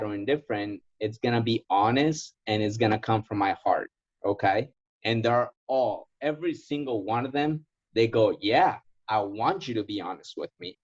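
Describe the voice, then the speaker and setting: A man with a fairly low voice and native Spanish, originally from Ecuador. He coaches informally as a sales trainer, driving points home by repeating them. The audio is somewhat dull and muffled. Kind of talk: informal coaching in a question and answer session.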